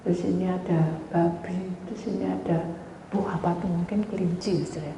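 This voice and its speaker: A woman pastor delivers a sermon full of personal testimonies. Her voice sits slightly low and mellow, and she tells her stories in an animated way, often turning to her listeners. The recording carries the long, roomy reverb of a hall, with a faint hiss of noise underneath. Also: fairly quick. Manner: animated storytelling, often addressing listeners as "brothers and sisters".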